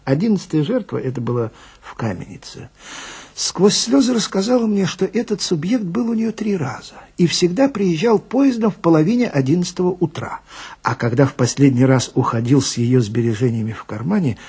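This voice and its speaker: A man playing a chatty, grumbling police detective who tells his story wryly and confidingly, with dramatic pauses, in a radio reading with a gravelly, husky voice. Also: fairly high pitch, very animated, darkish tone, exaggerated voice. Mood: mock sympathetic.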